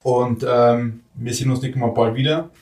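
A male podcast host of middling pitch asks questions and chats in a loose, stumbling way. His voice sounds set back from the microphone in an echoey room. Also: fairly even intonation, normal speed, darkish tone. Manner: chatty, with stumbles and repeated words. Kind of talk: casual interview talk. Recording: roomy, distant mic.

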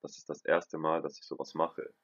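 A man voicing a brisk older male doctor in a story, matter-of-fact and plain. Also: a bass voice, little pitch movement, a bit bright, lo-fi sound.

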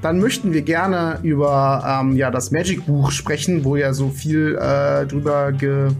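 A man co-hosting a casual podcast, talking in a relaxed way with hesitations and fillers. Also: fairly high pitch, measured pace, creaky, soft background music. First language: not English. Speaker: podcast co-host.

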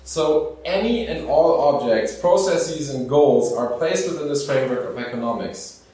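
A man's voice: a little high, lively intonation, moderate pace, mellow. A man reading a formal academic paper aloud as a conference speaker. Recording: echoey room, far from mic.

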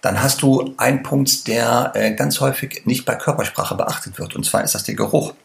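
A man's voice: mid-range voice, normal speed, vocal fry. A man lecturing on body language, addressing the listener directly with many examples and frequent tag questions.

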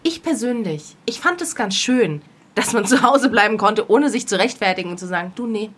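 A woman's voice: mid-range voice, animated, fairly quick, fairly bright tone. A woman co-hosting a podcast in playful, cheeky casual chat while sitting outdoors. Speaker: podcast co-host.

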